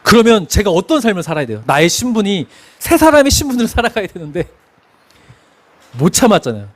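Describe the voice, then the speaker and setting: A man's voice: high-pitched, brisk. A middle-aged man from Korea's Chungcheong region preaching a sermon, telling stories and laughing as he goes. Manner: expressive preaching, sings hymn lines, laughs while telling stories. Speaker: pastor.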